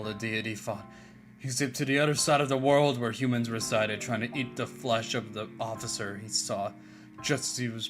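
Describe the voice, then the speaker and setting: A man slowly reading a dark horror fan story aloud, measured and steady. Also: lowish voice. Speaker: streamer and artist. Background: guitar music.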